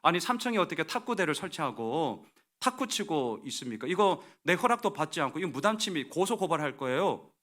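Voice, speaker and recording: A man's voice: on the high side, sing-song, brisk, fairly bright tone. A man voicing an angry building owner who scolds a pastor in an indignant, accusing way.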